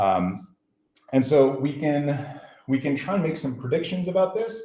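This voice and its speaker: A fairly high-pitched man with a dark, mellow tone sounds somewhat breathy as his pitch swings very widely. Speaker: physics professor. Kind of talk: lecture. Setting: seminar room with audience and online viewers. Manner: fast; casual, many fillers.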